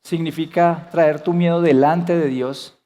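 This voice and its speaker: A man's voice: on the high side, fairly even intonation, a little slow, warm tone, long reverb tail. A man preaching a sermon as pastor, earnest, asking the congregation questions.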